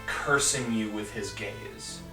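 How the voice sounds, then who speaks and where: A man narrating a tabletop game as game master, halting as he searches for words. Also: lowish voice. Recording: echoey room, distant mic, background music.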